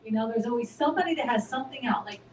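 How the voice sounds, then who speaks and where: Woman co-host, animated storyteller, distant mic in a roomy space. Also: on the high side, rapid-fire, a little hiss or hum. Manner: animated storytelling, acts out her own self-talk. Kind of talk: casual spiritual chat.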